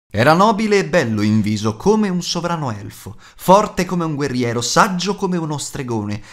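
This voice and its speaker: A man reads an audiobook as narrator, in an expressive scripted storytelling style. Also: mid-range voice.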